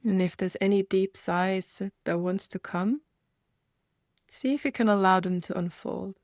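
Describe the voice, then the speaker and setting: A woman's voice: medium pitch, no echo. Woman guiding meditation, close dry sound. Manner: gentle, unhurried phrasing with soft invitations and reflective pauses. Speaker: meditation guide. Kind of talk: guided meditation, gentle instruction.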